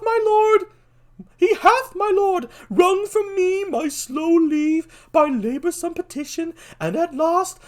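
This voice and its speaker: A fussy old Shakespearean courtier with a squeaky, very high voice. He declaims loudly and shrilly, swooping around in pitch as he pleads in stage verse. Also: exaggerated voice. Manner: loud, declamatory. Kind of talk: theatrical Shakespeare reading.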